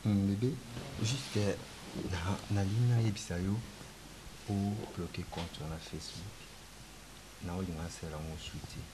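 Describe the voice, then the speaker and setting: Actor for a controlling Congolese husband, Congolese French accent, low and mumbled, noisy take. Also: male voice, fairly even intonation, unhurried, pauses often. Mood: insistent. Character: young man, controlling partner. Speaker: husband in a drama series. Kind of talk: Congolese TV drama acting. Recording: noisy home-video sound.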